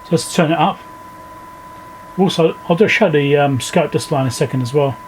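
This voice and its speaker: At an indoor electronics workbench, a man hosts a hands-on repair walkthrough, talking informally and thinking aloud as he works. His voice is a little high and his pace moderate. The recording is low quality, with a little hiss or hum.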